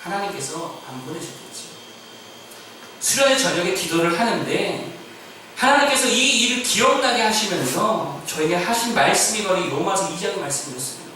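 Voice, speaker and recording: A man delivers a sermon as pastor in a bright, high voice with wide swings of pitch. He shifts from soft, confessional murmurs to loud, repeated emphasis. The mic sits at a distance in a strongly reverberant church hall with faint noise behind him. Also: animated, normal speed.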